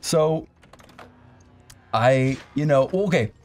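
A young man hosting a casual chat, telling a crude, animated story with lots of laughter. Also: mid-range voice, slow. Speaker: podcast host.

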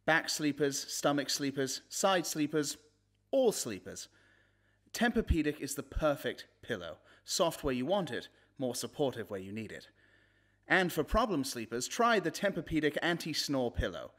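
Higher-pitched man, polished presenter. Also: sing-song, normal speed, fairly bright tone. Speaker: voice actor, comedy news host. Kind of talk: polished scripted delivery for commercials and satirical news.

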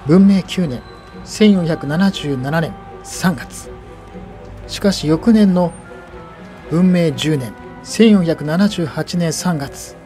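Male history narrator, somewhat high-pitched, soft mellow tone, explanatory guide delivery.

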